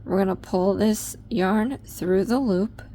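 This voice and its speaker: A woman's voice: medium pitch, takes it slowly, dark tone. A woman giving a chatty step-by-step crochet tutorial, with frequent ums. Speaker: crochet instructor.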